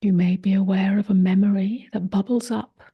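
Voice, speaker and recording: A woman leading a guided meditation, speaking softly in short phrases with long pauses, gentle and often close to a whisper. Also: medium pitch, steady tone, dull audio. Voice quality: soft, breathy, husky, often near a whisper. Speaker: meditation teacher.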